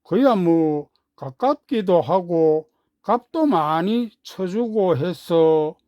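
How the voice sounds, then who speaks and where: A man voicing a slow calm country uncle. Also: high voice, no room sound, clean studio sound, exaggerated voice. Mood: hesitant. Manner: slow, deliberate, measured.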